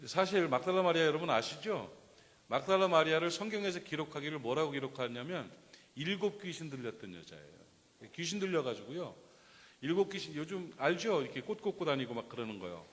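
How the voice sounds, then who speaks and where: A man's voice: on the high side, sing-song, fairly quick, fairly bright tone. A man preaching a Sunday sermon as pastor, telling a story, putting questions to the congregation and acting out the weeping in it. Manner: storytelling, asks the congregation questions and acts out wailing. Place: church sanctuary. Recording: long church reverb.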